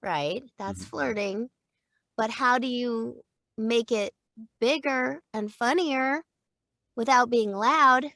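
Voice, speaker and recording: A middle-aged woman with a high, bright-pitched voice speaks at an unhurried pace, coaching-style and playful, laughing often as she thinks out loud. The sound is dry and close, with no room around it. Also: creaky, no echo. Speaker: podcast guest, voice actor and coach. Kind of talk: casual interview chat.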